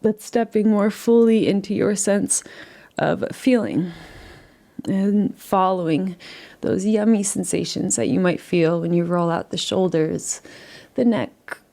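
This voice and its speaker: A woman leading a guided relaxation in a soft, unhurried, soothing way, gently inviting rather than instructing, with long pauses between phrases. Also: medium pitch, vocal fry. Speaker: meditation guide.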